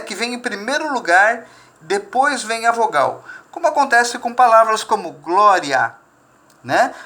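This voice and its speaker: A man teaching a recorded grammar lesson, slow and deliberate, stretching out example words and often adding "né?". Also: high voice, pushed and bright. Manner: often adds "né?" tags.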